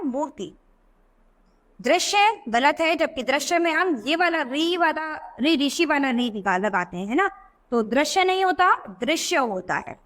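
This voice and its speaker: In a video-book voice-over, a woman teacher with a high, slightly bright voice walks through spelling corrections in a classroom lesson. She poses questions and answers them herself, giving slow, deliberate word-by-word examples.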